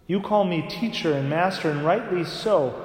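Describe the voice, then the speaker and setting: Priest, male, higher voice, relaxed preaching style with frequent "right?" tags, recorded in a big church with heavy cathedral echo. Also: moderate pace. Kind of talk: Gospel reading and homily at Mass. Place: large church. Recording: long echoing church reverb.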